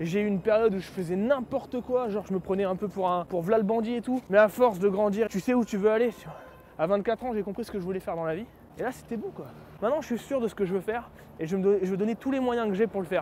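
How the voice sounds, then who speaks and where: A man speaks at a very fast pace. His voice is high-pitched, with ordinary pitch variation. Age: 20s. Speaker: fitness YouTuber. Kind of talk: vlog. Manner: casual.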